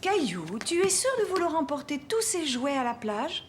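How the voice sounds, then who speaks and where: A woman voicing a caring young mother in a French cartoon, speaking in a gentle, encouraging way. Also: sits high, big pitch swings, moderate pace. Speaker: mom of a small boy.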